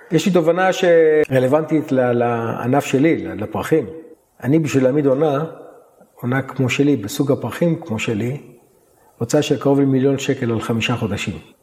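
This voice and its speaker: An unremarkable speaking voice from a man, fairly high in pitch with ordinary pitch variation and a moderate pace. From Israel, Beersheba. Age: 60s. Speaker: flower farmer. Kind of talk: interview.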